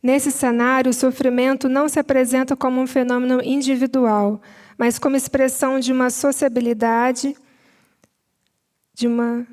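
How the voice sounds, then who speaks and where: A Brazilian Portuguese-accented woman at a seminar panel, reading a prepared summary in a measured way with spoken asides. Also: high voice, a little mellow. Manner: measured, mixes read text with spoken asides and fillers.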